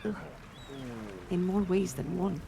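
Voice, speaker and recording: A woman's voice: fairly low pitch, takes it slowly, gravelly, background noise. A woman playing a bold, teasing pirate smuggler captain in an audio roleplay, playful and sardonic in manner. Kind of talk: intimate audio roleplay storytelling.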